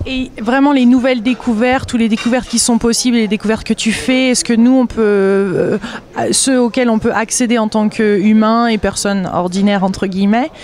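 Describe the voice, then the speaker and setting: A woman's voice: fairly high pitch, darkish tone. A woman hosting a conversational interview, repeating words as she searches her way through questions. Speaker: interviewer, web TV host.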